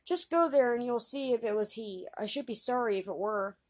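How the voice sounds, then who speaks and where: A woman's voice: fairly high pitch, brisk, lightly acted. A woman voicing a fearless, simple-minded young man who talks bluntly and earnestly.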